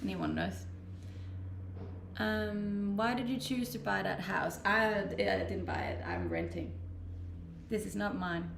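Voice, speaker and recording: A woman's voice: mid-range voice, creaky, roomy sound, noisy background. A young woman with a Danish accent, chatting casually with viewers on her stream and laughing easily. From Denmark. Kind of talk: casual chat reading viewer questions. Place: rented house, indoors.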